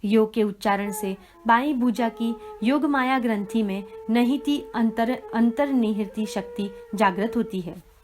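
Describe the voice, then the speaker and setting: A woman giving a measured, reverent devotional scripture reading. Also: on the high side, music in the background. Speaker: reader of a devotional text.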